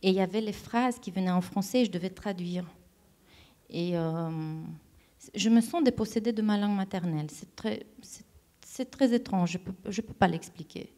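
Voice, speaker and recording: A woman answering interview questions, her voice mellow and warm. She talks thoughtfully and searches for the right words, often restarting her sentences. Her pitch sits in an ordinary middle range. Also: moderate pace. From Romania. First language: Romanian. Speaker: playwright and director, guest.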